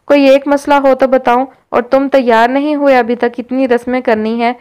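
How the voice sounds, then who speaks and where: A woman's voice: sits high, fairly even intonation, clear, resonant tone, muffled recording, natural voice. A woman reading the lines of a bossy, scolding old grandmother in an audio novel. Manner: scolding, loud.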